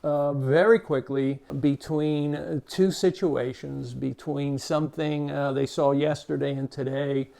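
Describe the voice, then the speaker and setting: An older man with a Cuban-American accent talks to camera as a behavior expert. His voice sits a little high for a man. He speaks in a measured, unhurried way, dotted with "uh" fillers and small restarts. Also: steady tone, creaky, warm tone. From Cuba, raised in Miami. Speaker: behavior expert, channel host. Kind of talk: reflective talk to camera.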